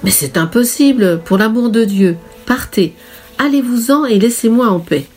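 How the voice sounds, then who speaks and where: A woman's voice: mid-range voice, moderate pace, darkish tone, faint music behind, lightly acted. A woman reading a frightened, pleading widow. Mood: distressed. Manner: pleading, distressed. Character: frightened middle-aged widow near panic. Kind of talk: audiobook character reading.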